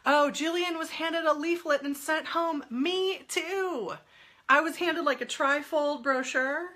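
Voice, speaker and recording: Speaking unhurriedly in a high, pushed, bright voice, this live-stream guest chats casually and responds to comments. She's in her forties, has a stuffy head cold, laughs a lot and calls out viewers by name.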